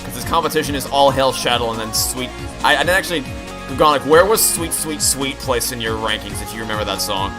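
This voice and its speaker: A man's voice: medium pitch, brisk, over music. A man giving casual, rambling playthrough commentary as he chats to viewers, often repeating and restarting his phrases. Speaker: video game streamer and host. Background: video game song playing behind the voice.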